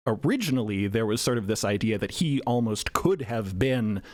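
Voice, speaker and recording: Low, lively-voiced man enthusing. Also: moderate pace, dry recording. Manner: enthusiastic, rambling with fillers. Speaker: podcast co-creator and voice actor. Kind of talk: casual roundtable chat.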